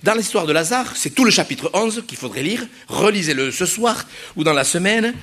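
A man with a notably high voice preaches a sermon to his congregation. He talks to them directly and repeats his phrases. He rises to loud, drawn-out exhortations and then drops to soft, quick asides. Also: lively intonation. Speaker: pastor.

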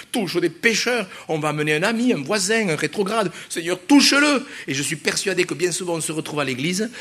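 A pastor preaching to his congregation, emphatic and repetitive, swinging between loud exhortations and soft asides. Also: high-pitched. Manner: addresses the congregation directly, repeating phrases. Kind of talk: sermon.

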